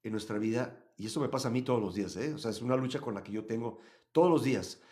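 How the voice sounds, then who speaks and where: A man from Mexico, teaching a live Bible study and answering chat comments, swinging between loud emphasis and quiet asides. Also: medium pitch, quick pace.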